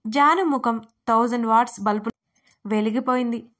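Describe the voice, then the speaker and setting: Woman narrating a story, fairly high voice. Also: moderate pace, fairly bright tone. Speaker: writer and narrator.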